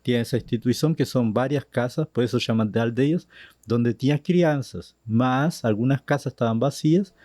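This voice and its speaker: A man's voice: medium pitch, no room sound, clean studio sound. A man from Argentina, a Spanish native speaker, telling his story as a missionary guest in a podcast interview in Portuguese with an Argentine accent, drifting into Spanish words. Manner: slow, animated retelling with Spanish words slipping in.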